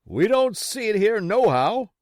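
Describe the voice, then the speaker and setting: A man voicing rough pirate henchmen in an audiobook, calling out loudly in rustic sailor talk. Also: high voice, big pitch swings, measured pace, no room sound, clean studio sound, voice pushed up. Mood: urgent calling. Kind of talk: audiobook character voice.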